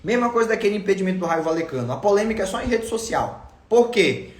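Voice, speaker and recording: A man's voice: high voice, expressive, fast talker, echoey room. A Brazilian man hosting a football channel, giving insistent, opinionated commentary and repeating his points for emphasis. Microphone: home recording.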